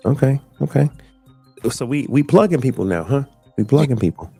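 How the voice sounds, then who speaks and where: A man's voice: medium pitch, expressive, normal speed, gravelly, warm tone, husky, soft background music. A man hosting a casual podcast chat in an AAVE-flavored voice, laid-back, laughing often and repeating himself. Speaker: podcast host.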